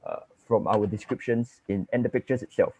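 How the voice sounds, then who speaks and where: A man's voice: on the low side, a little fast, warm tone, dry recording. A young man with a Singaporean accent, earnestly explaining his team's choices to judges over a video call. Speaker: student contestant. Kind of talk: answering judges' questions. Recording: dull dry lo-fi call audio.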